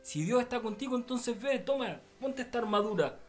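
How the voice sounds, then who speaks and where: A male preacher voicing a fatherly king, speaking gently and encouragingly. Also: extremely high pitch, lively intonation, brisk, faint music behind, pitched above the performer's own voice. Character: King Saul, older male king, kindly and fatherly.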